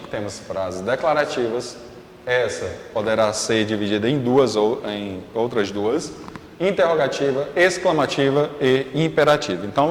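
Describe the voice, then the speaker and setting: A man's voice: medium pitch, slight background noise. A man teaching a recorded online grammar class, peppering his explanation with hesitant fillers and frequent check-ins asking if students follow. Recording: echoey room with long reverb.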